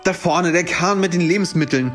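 A man performs an assertive youth of the crusades in a historical radio drama. His male voice is a bit high, with soft music behind. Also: brisk. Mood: commanding.

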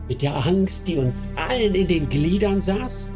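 An actor playing a young medieval eyewitness narrating gravely and deliberately in a radio play. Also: male voice, sits high, expressive. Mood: grave, brooding. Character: sixteen-year-old medieval eyewitness recounting a crusade, grave. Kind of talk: scripted first-person narration in a German radio play. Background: clearly audible music.

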